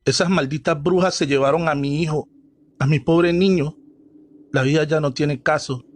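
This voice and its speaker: A man's voice: fairly high pitch, steady tone, moderate pace, natural voice. A man voicing a despairing, grief-stricken middle-aged father. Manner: anguished and despairing.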